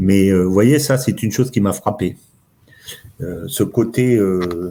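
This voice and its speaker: A man speaks at a very slow pace. His pitch is fairly low, with ordinary pitch variation. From grew up abroad in Africa, Spain (French expatriate). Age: 60s. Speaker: author and geopolitics commentator. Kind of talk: interview. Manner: hesitant, many fillers.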